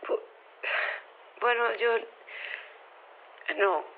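An actress playing a flustered, dejected field reporter giving a halting live report by telephone in an audio drama. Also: female voice, on the high side. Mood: flustered, upset. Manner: halting, hesitant. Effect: telephone filter. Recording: noisy, narrow phone line. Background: ambient noise of a public square.

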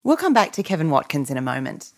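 A woman host presenting scripted links with a clear, composed delivery. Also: deep voice, sing-song, fast talker. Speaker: podcast host. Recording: soft music underneath.

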